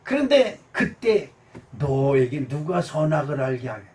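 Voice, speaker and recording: A male pastor giving a sermon, animated, swinging from shouts down to quiet murmurs. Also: a little high, a little slow, far from the mic, a little hiss or hum.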